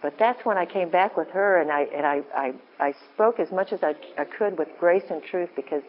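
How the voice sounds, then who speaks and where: Low-voiced woman preaching to ladies, kinda rambly, dull lo-fi sound w/ faint room hum. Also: a little fast. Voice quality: deep voice. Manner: rambling, self-interrupting, earnest. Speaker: women's ministry speaker. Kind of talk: informal sermon talk.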